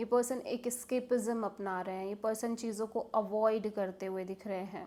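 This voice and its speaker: At a moderate pace, a woman with an unremarkable speaking voice talks in a fairly high pitch. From Uttar Pradesh, India. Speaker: professional tarot card reader. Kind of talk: tarot reading to camera.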